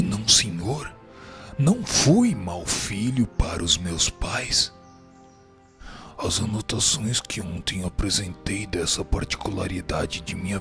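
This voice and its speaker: A man's voice: lowish voice, vocal fry, a bit bright, heavily acted. A man acting in a radio drama as a tormented, pious spirit of a dead sinner, pleading and justifying himself in formal, florid, anguished speech.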